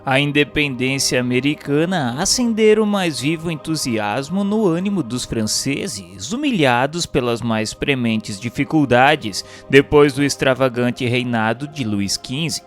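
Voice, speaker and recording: A man's voice: mid-range voice, expressive, measured pace, few pauses. A man with a Brazilian accent reading scripted narration in a formal, solemn, declamatory manner. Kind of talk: scripted audiobook-style narration of a historical religious text. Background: music.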